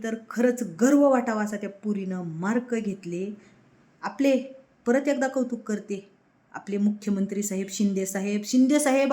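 Fired-up woman, slightly high voice, ranting and asking question after question. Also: warm tone. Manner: combative, rhetorical questions, repeats phrases. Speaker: political commentator. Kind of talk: heated political rant to camera.

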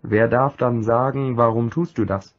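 A man's voice: medium pitch, steady tone, normal speed, lightly acted. A man reading the lines of a grieving, patient old king in a solemn, resigned tone. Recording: dull lo-fi recording.

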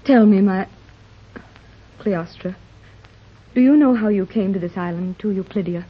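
A tremulous, anxious mother in an old radio serial. Her voice is breathy and emotional at a mid pitch. The recording has a dull, muffled sound. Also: measured pace. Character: anxious wealthy mother searching for her lost daughter. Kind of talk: 1930s radio drama acting.

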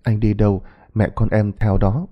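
A man's voice: lowish voice, level tone, normal speed, dull audio, lightly acted. A man voicing a young village wife in labour who pleads urgently with her husband in a storybook tale. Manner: pleading, urgent, strained with pain.

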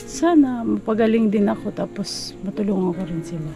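Quiet woman with short answers, music behind. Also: mid-range voice, moderate pace. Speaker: interviewee, mother.

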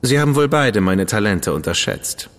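An actor playing a confident, skeptical Victorian gentleman agent who asks pointed questions. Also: on the low side, sing-song, normal speed, in a large hall. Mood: defensive. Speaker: agent of the crown. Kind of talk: studio radio drama acting.

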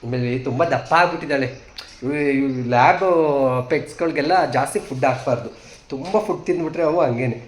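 A trans woman vlogger talks casually while walking outdoors on a hill, teasing and bossing her viewers loudly. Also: a bass voice, brisk. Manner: loud, teasing and bossy, scolding the viewers playfully. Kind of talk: casual vlog. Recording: roomy echo.

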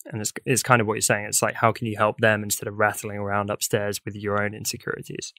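A man's voice: lowish voice, monotone, fast, a bit bright, no room sound, studio quality. A young man hosting a podcast, asking informal, enthusiastic questions into a desk mic in an office room. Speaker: podcast host. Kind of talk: interviewing. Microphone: desk studio mic.

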